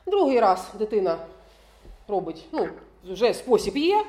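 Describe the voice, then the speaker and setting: A woman's voice: medium pitch, big pitch swings, measured pace, darkish tone. A woman giving a lecture to parents, often laughing and checking that listeners follow along. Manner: keeps checking in with the audience; laughs often while talking.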